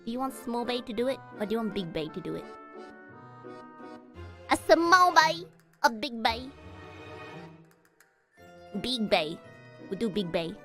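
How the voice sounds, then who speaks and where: Fields. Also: female voice, a little high, sing-song, a little slow, long pauses, pushed and bright, faint music behind. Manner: giggly, chatty, checks her audio settings aloud. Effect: heavily compressed mic with added reverb. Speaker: streamer. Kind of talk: casual live-stream chat.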